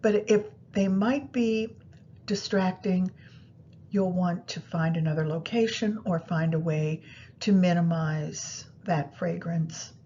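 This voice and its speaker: A woman guiding a meditation practice in a soothing, unhurried manner, pausing between phrases. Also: warm tone. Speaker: yoga nidra meditation guide. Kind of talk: guided meditation instruction. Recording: muffled, low rumbling background noise.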